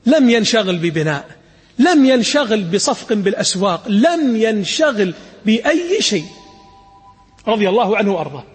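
A man teaching a religious lesson, retelling the story with animated dialect asides. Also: high voice, husky. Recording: echoey hall with long reverb.

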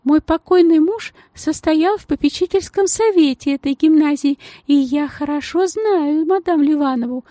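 A woman's voice: sits high, moderate pace, few pauses, mellow, dry recording, clean studio sound, voice pushed up, natural voice. A woman voicing a stout, genteel lady with a thin, piping voice and an affected, sugary manner in a storybook reading. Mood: gushing sweetly. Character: stout genteel lady, shrill, saccharine then venomous.

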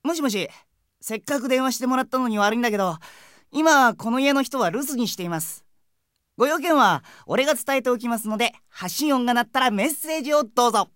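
A woman's voice: a little high, animated, brisk, fairly bright tone, dry recording, clean studio sound. A woman playing a brash, friendly teenage boy in an anime game audio drama, talking in casual, cheeky slang like a teasing best buddy. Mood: politely casual.

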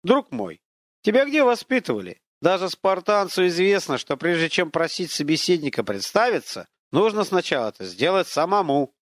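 A man voicing an invisible, boastful male war god who mocks and lectures in a pompous, drawn-out, declamatory way. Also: high voice, sing-song, no echo, studio quality, voice pushed up. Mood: haughty.

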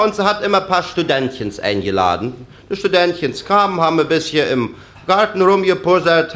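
A man's voice: on the high side, fairly bright tone. A man with an East Prussian accent telling stand-up jokes and acting out his characters in quoted dialogue, with audience laughter behind him. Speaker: comedian.

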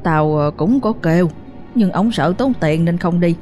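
A woman's voice: fairly low pitch, unhurried, a little mellow, soft background music, natural voice. A woman voicing an indignant middle-aged aunt who answers back bluntly with a few hesitations.

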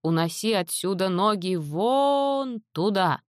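A woman voicing a talking bronze statue of an old man, slow, gentle and fatherly. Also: medium pitch, expressive, dry recording, studio quality. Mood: kindly.

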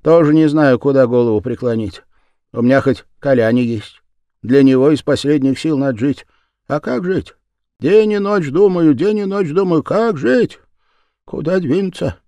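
A man's voice: fairly high pitch, lively intonation, normal speed, dark tone, no echo. A man reading aloud, voicing a wistful old woman who pleads and dreams of a home. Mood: anxious.

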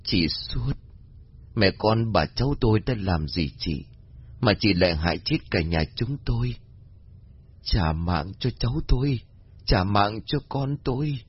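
A man's voice: on the low side, lively intonation, a little slow, slightly rough. A man voicing the ghost of an old woman speaking through a corpse, accusing and mournful. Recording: dull lo-fi audio, faint music.

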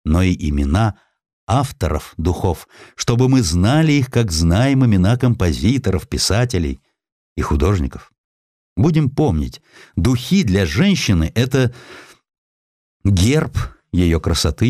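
A man narrates a historical essay in a deep voice that rises and falls a lot. His reading is measured but expressive, leaning on key words. The studio recording is dry and close. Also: no room sound. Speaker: audiobook narrator.

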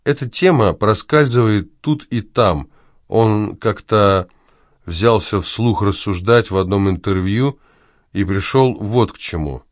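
A man's voice: on the low side, lively intonation, slow, no echo, studio quality. A man reading his own essay aloud in an ironic, argumentative way.

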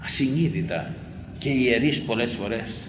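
A man, a priest, delivering a sermon in an emphatic, pleading way, repeating phrases and swinging between loud exclamations and hushed lines. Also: medium pitch, highs cut off. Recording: echoey room with faint ambient noise.

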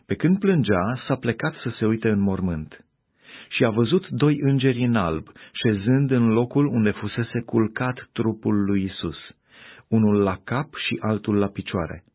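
Low-voiced husky male scripture reader, steady pace, tinny phone-like sound. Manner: steady, unhurried reading.

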